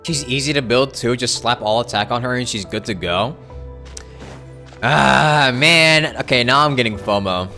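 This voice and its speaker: A man's voice: medium pitch, moderate pace, pushed and bright. A man livestreaming a game with casual, informal commentary, full of exclamations and muttered asides. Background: game music.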